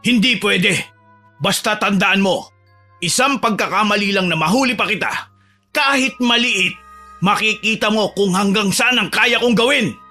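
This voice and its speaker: A man's voice: sits high, moderate pace, bright, forceful tone. A man voicing a strict, angry father scolding and threatening his daughter, over faint music.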